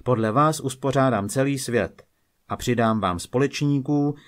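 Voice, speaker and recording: Gentle, kindly old Lord God in a storybook legend, read by a man in his plain voice, calm delivery, middle pitch. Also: natural voice.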